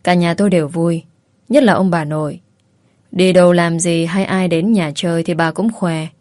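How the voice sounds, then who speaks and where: A woman narrating a first-person audiobook story in a calm, measured way. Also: on the low side, no room sound, clean studio sound.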